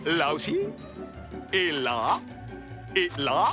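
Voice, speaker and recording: A man's voice: a little high, expressive, extremely slow, music in the background. A man voicing a flamboyant, sarcastic TV show host and magician in a French-dubbed cartoon, theatrical, pompous and mocking. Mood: bossy, gleeful.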